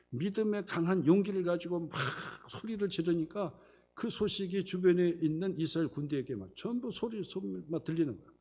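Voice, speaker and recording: Animated male preacher in a reverberant church hall. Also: on the high side. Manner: animated storytelling, acting out voices. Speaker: pastor. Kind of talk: sermon. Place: church sanctuary.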